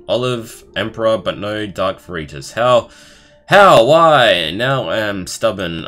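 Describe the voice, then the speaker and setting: A man's voice: lowish voice, bright, forceful tone. A man livestreaming, reading aloud expressively with casual asides and commentary of his own. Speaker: streamer.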